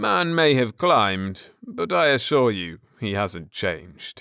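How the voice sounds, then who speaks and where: A man's put-on character voice, fairly low in pitch and fairly slow, on a very clean recording with a silent background. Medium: read story. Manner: calm, wry, self-assured.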